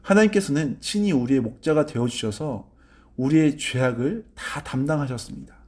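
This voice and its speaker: A man, a pastor, giving an early-morning sermon in an earnest, measured way, asking rhetorical questions. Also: mid-range voice, animated, a little mellow.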